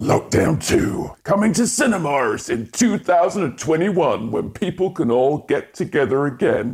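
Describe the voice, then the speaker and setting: In a put-on character voice, a man speaks at a high pitch and a fairly slow pace, his pitch swinging very widely with hardly any pauses. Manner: movie trailer announcer.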